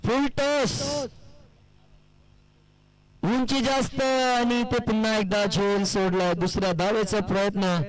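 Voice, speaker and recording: A man's voice: high-pitched, flat delivery, normal speed, clean tone, low-quality recording. A man giving live commentary and announcements at a local cricket tournament, addressing players and spectators directly. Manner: addresses players and crowd, calls for applause.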